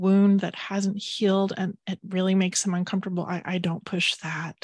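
Soft-spoken and at a medium pitch, a woman talks at a moderate pace with monotone, flat intonation against a quiet background. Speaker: music industry story consultant. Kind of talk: casual interview chat.

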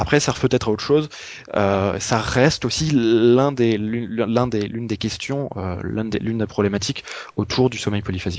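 A man at a medium pitch and moderate pace, with fairly even intonation. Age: 20s. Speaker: entrepreneur in web marketing. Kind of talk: interview. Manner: halting, many repetitions and fillers.

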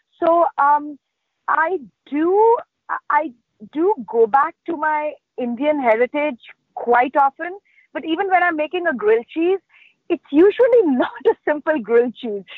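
The voice moves at a fairly slow pace with long, frequent pauses and very wide pitch swings. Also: woman, high pitch for a woman. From India, Ranchi, Punjabi household. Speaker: chef. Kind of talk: interview.

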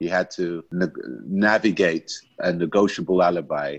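He is a man with a British accent. His pitch is very deep and low. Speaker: actor. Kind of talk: casual interview.

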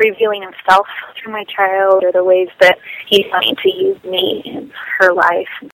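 Over noticeable background noise, a woman with an American accent speaks at a moderate pace. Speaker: nurse practitioner. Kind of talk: interview. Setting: outdoors.

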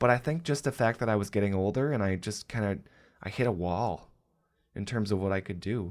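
A man with an unremarkable speaking voice talks at a fairly quick pace and a fairly low pitch with ordinary pitch variation, recorded very cleanly against a silent background. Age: 30s. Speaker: copywriter and cycling advocate. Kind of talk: casual interview chat.

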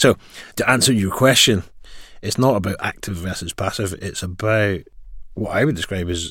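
In a Glaswegian accent, a man speaks with a very deep, low voice at a moderate pace. The recording is very clean, with a silent background. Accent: Glaswegian Scottish. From Glasgow, Scotland. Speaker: investment partner. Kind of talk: podcast interview. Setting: studio.

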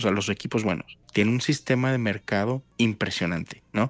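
Against a quiet background, a man with a normal speaking voice talks at a moderate pace and medium pitch, with ordinary pitch variation and a dry, close sound with no echo. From Mexico, Monterrey. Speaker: podcaster. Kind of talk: casual debate.

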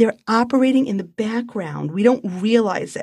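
On a very clean recording with a silent background, a woman speaks at a fairly high pitch in a dark, mellow tone with ordinary pitch variation. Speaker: clinical psychologist and podcast host. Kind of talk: solo podcast monologue.

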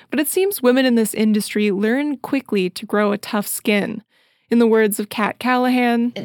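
In a Canadian accent, a woman speaks at a moderate pace and fairly high pitch with a plain, everyday voice and a dry, close sound with no echo. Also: ordinary pitch variation. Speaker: PhD researcher and documentary maker. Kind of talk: documentary narration and interview. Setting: remote call.

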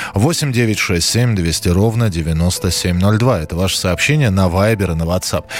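Fairly slow, fairly low-pitched speech from a man amid noticeable background noise. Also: ordinary pitch variation. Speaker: radio host. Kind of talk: radio phone-in show. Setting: studio.

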